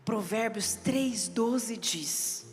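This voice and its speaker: High-voiced Brazilian woman preaching. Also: drawn-out words. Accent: Brazilian Portuguese. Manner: expressive preaching, reads scripture then explains with family stories. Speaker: bishop preaching. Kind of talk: sermon. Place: church service hall. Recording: reverberant hall with faint music behind.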